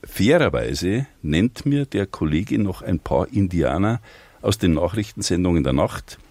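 Man, radio host; low voice, dry close studio mic, chatty and relaxed. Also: unhurried, dry recording. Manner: chatty, laughs easily, relaxed. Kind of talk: radio talk show interview. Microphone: studio microphone.

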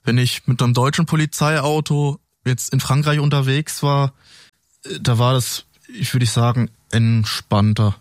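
A man's voice: medium pitch, fairly even intonation, unhurried, dry recording, clean studio sound. A man who serves as a police officer, describing his work in a matter-of-fact, practical way. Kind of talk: interview answers.

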